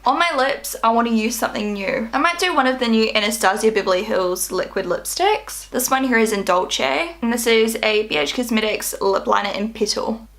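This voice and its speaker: A woman's voice: fairly high pitch, brisk, hardly any pauses, a bit bright. Bubbly, chatty woman vlogger. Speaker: beauty vlogger. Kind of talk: casual makeup tutorial chat.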